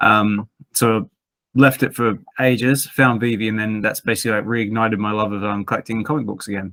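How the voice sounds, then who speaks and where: A speaker with an Australian accent talks at a very fast pace with fairly even intonation. The sound is dry and close with no echo. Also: man. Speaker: recycling yard worker, collector. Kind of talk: casual group chat.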